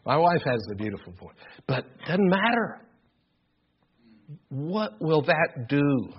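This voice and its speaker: An older male preacher gives an earnest sermon in a loud, husky voice that runs high, slow and very animated. He drives his points home emphatically, repeating words as he builds. The recording is dull and lo-fi.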